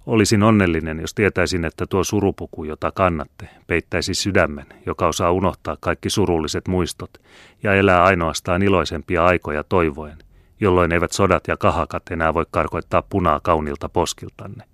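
A man's voice: low voice, steady tone, no room sound, studio quality. A man reading as a gracious, kindly king. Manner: courteous, gentle.

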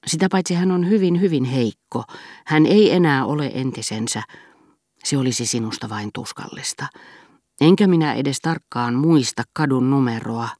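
A woman's voice: rumbling low, a little mellow, no room sound, clean studio sound. A woman audiobook reader voicing a middle-aged father who soothes and hesitates. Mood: soothing.

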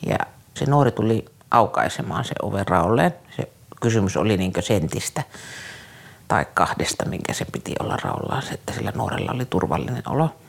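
A man with a gravelly voice recounts his years as a youth care counselor in an interview. His intonation rises and falls widely. He speaks haltingly and earnestly, often stopping to restart a sentence. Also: lowish voice, lively intonation. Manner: earnest, troubled storytelling. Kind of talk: personal recollection in an interview.

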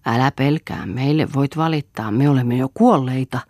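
A woman reading the part of a dead old grandfather appearing in a dream, calm and reassuring. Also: extremely low pitch, no echo, studio quality.

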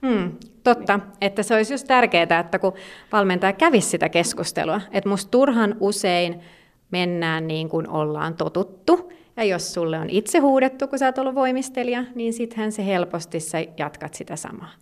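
A woman's voice: medium pitch, expressive. A woman speaking as an expert in a conversational interview, explaining at length with many fillers and restarts. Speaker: gymnastics federation expert.

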